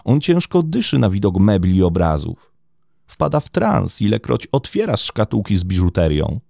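A man's voice: lowish voice, wildly swooping pitch, moderate pace, gravelly, warm tone, dry recording, studio quality, pitched above the performer's own voice, full character voice. A man reading as a blunt, suspicious young woman. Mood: accusing. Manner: accusing, urgent.

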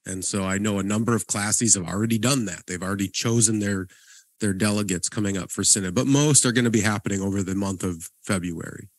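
A man's voice: on the low side, fairly quick, no echo. A man co-hosting a church podcast, talking in an earnest, encouraging way with frequent restarts. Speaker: podcast co-host, guest pastor. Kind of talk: casual podcast conversation.

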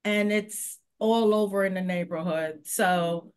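A woman's voice: mid-range voice, fairly even intonation, a little mellow, clean tone. A woman community organizer talking earnestly on a video call, listing problems one by one. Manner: earnest, listing issues deliberately. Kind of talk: interview talk.

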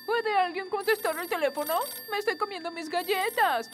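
A woman's voice: very high voice, fairly bright tone, slight background noise. A woman voicing a self-assured, dismissive fairy nanny in a children's cartoon dub. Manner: brisk, dismissive, confident. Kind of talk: animated children's series dub.

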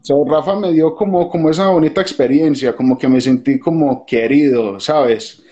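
A man's voice: a little high, moderate pace, warm tone. A young man from Colombia with a Colombian accent, a guest talking earnestly and thoughtfully about his time on a TV show, dropping English fillers into his speech. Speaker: guest, former TV show contestant. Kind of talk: casual video call interview. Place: dim room indoors. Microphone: phone video call. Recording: lo-fi video call audio.

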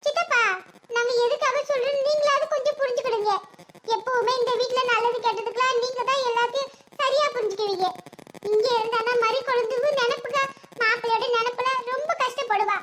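A woman's voice: very high voice, brisk, very noisy. A woman playing an insistent worried mother. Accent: southern Tamil Nadu. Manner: insistent, persuading.

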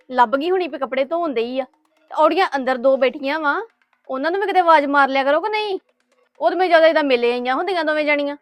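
A young woman playing a young woman of the house who complains fast and grumbles. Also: high-pitched, natural voice. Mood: annoyed. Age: young adult.

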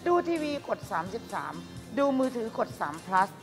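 A woman in her forties hosting a restaurant food show, chatty and sweet, talking with the chef in a bright dining room. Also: medium pitch, big pitch swings, moderate pace, music in the background. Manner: chatty, sweet, ends with polite particles.

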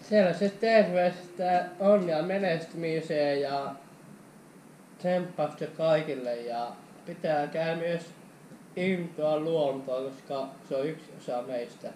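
A man's voice: on the high side, darkish tone, reverberant, slight background noise, rough recording. Earnest young man, short plain answers. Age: young adult. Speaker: guest angler. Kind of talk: casual answers on camera. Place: outdoors on a frozen lake, then an indoor kitchen.

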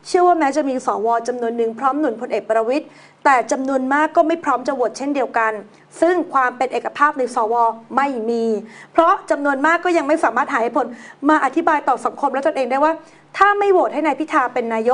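A woman hosting a news talk show, reading items and chatting about them in a relaxed, conversational way. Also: high-pitched, quick pace.

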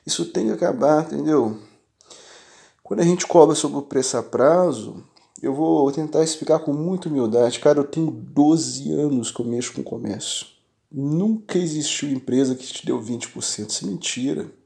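A Brazilian man with a gravelly, fairly high voice talks straight to his viewers at a normal pace. He runs a tech channel and a shop, and his casual vlog delivery is animated and emphatic, full of repeated "entendeu?" check-ins.

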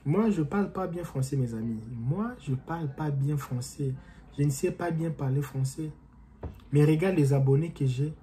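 A young man with an accent, talking to camera in an animated, rambling motivational vlog from a small room at home. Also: on the high side, moderate pace. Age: young adult. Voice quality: non-native-sounding French accent, by his own account. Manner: animated, gesturing, rambling with restarts. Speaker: motivational vlogger. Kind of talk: casual motivational talk to camera.

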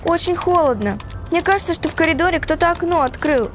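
A woman's voice: very high-pitched, expressive, brisk, faint music behind. A woman voicing a frightened, anxious young woman stranded on a train in a horror text-message story. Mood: fearful. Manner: anxious, breathless exclamations and pleas.

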